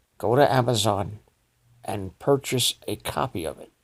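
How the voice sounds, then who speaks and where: A somewhat breathy man talks at a medium pitch. His pitch swings very widely. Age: 60s. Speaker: political commentary vlogger. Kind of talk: monologue commentary.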